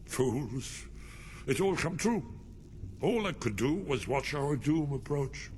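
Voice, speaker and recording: An actor playing a paranoid, fatalistic old scholar in a video game, agitated and muttering in a theatrical way. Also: male voice, mid-range voice, sing-song, slow pace, darkish tone, slight background noise. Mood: doom-laden. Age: older. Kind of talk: video game character acting.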